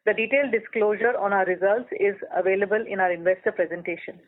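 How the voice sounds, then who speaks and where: Executive on a tinny phone line. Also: mid-range voice. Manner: formal, measured corporate reading. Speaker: company executive presenting results. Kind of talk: scripted earnings call presentation. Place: telephone conference call.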